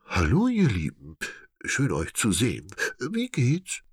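A man's voice: mid-range voice, huge pitch swings, takes it slowly, husky, dry recording, studio quality, pitched above the performer's own voice, heavily acted. A man voicing a kindly old female elephant in a children's storybook, cheerful and calling out. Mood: friendly.

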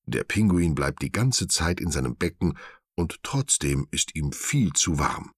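Deep, animated storybook narrator man. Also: unhurried, breathy edge, no room sound, clean studio sound. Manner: animated and expressive.

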